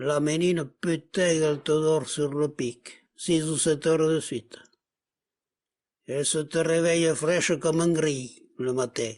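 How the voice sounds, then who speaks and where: A man's fairly high voice in a southern French accent, very slow, with fairly even intonation. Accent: southern French Occitan. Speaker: storyteller. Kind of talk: comic anecdote told in regional French. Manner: casual, colloquial.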